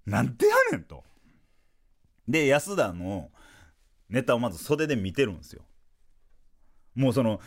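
Speaking at a moderate pace in a mid-range voice with long pauses, a comedian who hosts a podcast tells a funny story in Kansai Japanese. He's animated and lively, voicing out many quotes as he goes.

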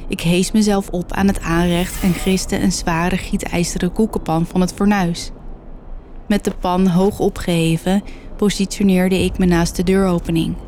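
Female horror narrator, low and mellow, steady storytelling. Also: measured pace, slight background noise.

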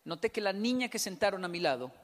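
A man's voice: sits high, very animated, quick pace, in a large hall. A man performing a stand-up comedy monologue, joking, laughing at his own lines and acting out other people's voices. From Colombia.

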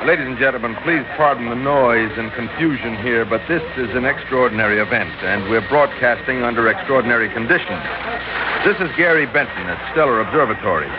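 An actor playing an excitable male radio reporter broadcasting from a scene of great excitement, in a vintage radio drama. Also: medium pitch, fairly quick, lightly acted. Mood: urgent. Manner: urgent, animated announcing. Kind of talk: 1960s radio drama acting. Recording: muffled old radio recording with loud noise.

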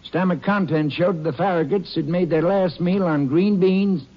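Higher-pitched small-town doctor. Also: male voice, normal speed. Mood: matter-of-fact. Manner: plainspoken, explanatory. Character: matter-of-fact male small-town doctor. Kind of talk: 1950s radio drama acting. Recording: muffled 1950s radio recording.

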